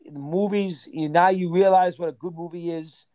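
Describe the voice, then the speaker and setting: A man in his sixties, reminiscing in a casual interview, rambling and rattling off names in quick bursts. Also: high-pitched, fairly even intonation, mellow, no room sound. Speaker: interview guest.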